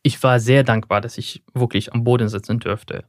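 A man's voice: mid-range voice, steady tone, normal speed, no room sound, clean studio sound. A young man from Syria, born to another language and speaking, answering interview questions thoughtfully and sometimes searching for words. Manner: thoughtful, searching for words, some slips in German. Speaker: guest.

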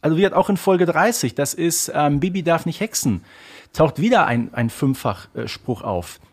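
Guy on a podcast, bit raspy, really animated, mock exasperated ranting. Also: fairly high pitch, moderate pace. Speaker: podcast co-host. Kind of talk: casual discussion of an audio drama series.

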